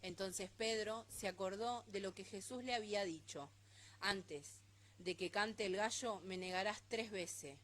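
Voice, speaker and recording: A woman's voice: mid-range voice, measured pace, fairly bright tone. Woman reading scripture aloud steadily. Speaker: scripture reader.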